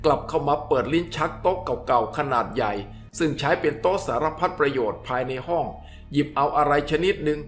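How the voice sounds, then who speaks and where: Storyteller guy reading a story, steady and descriptive, bit high voice, faint music behind. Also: a little fast. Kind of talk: scripted storytelling narration.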